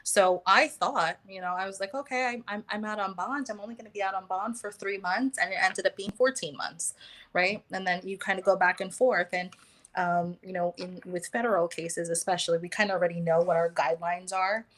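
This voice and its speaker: An American woman talking as a guest in a casual conversation, pausing often with fillers and restarts. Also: mid-range voice, fairly even intonation, a bit bright, rough recording. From United States. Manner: hesitant, many fillers and restarts.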